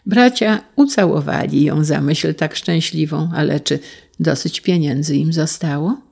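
A narrator reading a children's storybook in an even, unhurried way. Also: mid-range voice, gravelly, slightly rough.

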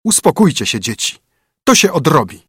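Man doing an old bird king, commanding and vengeful, raised husky voice, storybook reading. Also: a little high, sing-song, normal speed, no room sound, studio quality, voice pushed up, exaggerated voice. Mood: soothing. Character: proud angry old king wren.

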